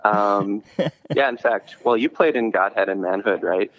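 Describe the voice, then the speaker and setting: A man's voice: on the low side, normal speed, fairly bright tone. A man talking over the phone from a coffee shop, a podcast host and concert promoter telling stories in a rambling, casual way with frequent restarts. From Minnesota, US. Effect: heard over a phone line. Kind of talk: casual chat, relaxed storytelling. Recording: muffled phone line.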